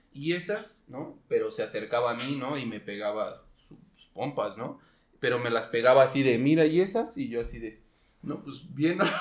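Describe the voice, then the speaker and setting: A man with a Mexican accent speaks in a fairly high voice, his loudness swinging widely. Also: lively intonation, moderate pace. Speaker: TikTok creator. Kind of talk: casual chat.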